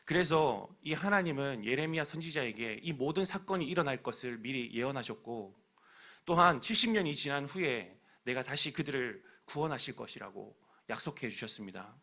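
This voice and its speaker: A man's voice: medium pitch, lively intonation, moderate pace, sharp tone. A man preaching a sermon in an earnest, fervent way, with prayerful appeals to the congregation.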